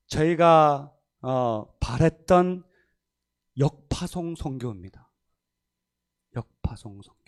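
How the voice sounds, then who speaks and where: A male pastor preaching a sermon in a church, telling stories and acting out the voices of people in them. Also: a little high. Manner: animated, acts out quoted voices, laughs often. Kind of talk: sermon with storytelling. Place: church sanctuary.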